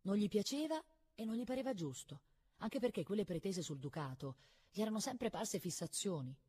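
A woman reading a novel aloud in a calm, measured narrating voice. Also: medium pitch, slightly rough. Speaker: reader.

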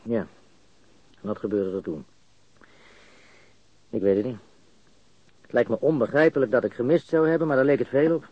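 An actor playing a baffled, cocky and coarse murder suspect in a radio crime drama, stammering and repeating words. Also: male voice, medium pitch, normal speed, pauses often, no echo, lightly acted. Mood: puzzled, uneasy. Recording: dull, lo-fi radio recording.

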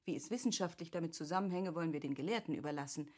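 Gracious period lady, husky voice. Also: deep voice, very fast, darkish tone. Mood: curious, candid. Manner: polite, formal, thoughtful. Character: gracious, articulate, curious lady of Goethe's era. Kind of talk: classic German radio play acting.

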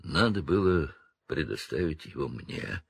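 A man voicing a hoarse, haunted escaped male prisoner in a storybook reading. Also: extremely low pitch, big pitch swings, a little slow, no echo, pitched below the performer's own voice, exaggerated voice. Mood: grim.

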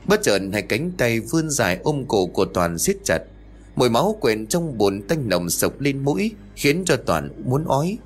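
A man narrating a horror story in a steady, suspenseful scripted way. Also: mid-range voice. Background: faint music.

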